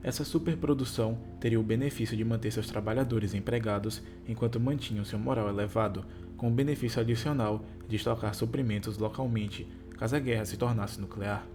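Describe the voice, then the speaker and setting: Speaking fairly quickly with hardly any pauses, this male YouTube narrator has a lowish voice and fairly even intonation. He addresses online viewers in Brazilian Portuguese with scripted narration and a casual goodbye, music behind him. Because he is tongue-tied, sounds like R, S, T and L are hard for him to articulate.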